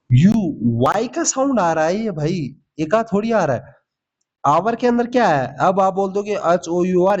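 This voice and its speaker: A man teaching English grammar in for exam prep, lively, often asking "ठीक है?" and calling his students "भाई". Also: sits high. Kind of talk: Hindi grammar lesson with English examples. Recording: slightly dull lo-fi audio.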